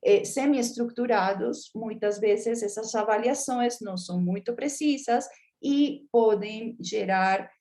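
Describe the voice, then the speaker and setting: A woman's voice: a little high, a little slow, darkish tone. Hesitant woman lecturing, frequent fillers. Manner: hesitant, many filler sounds while searching for words. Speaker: academic lecturer. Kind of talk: academic lecture with slides.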